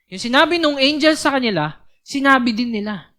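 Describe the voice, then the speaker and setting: A woman's voice: high voice, lively intonation, brisk, a bit bright. A young woman preaching at a church youth service, talking casually and often asking the listeners rhetorical questions. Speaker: youth speaker.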